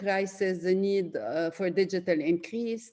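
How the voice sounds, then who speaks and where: A woman's medium-pitched voice with a French accent, dark and mellow in tone, with ordinary pitch variation. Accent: French-tinged. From Lebanon. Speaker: education NGO worker. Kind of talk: panel discussion. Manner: hesitant, many fillers.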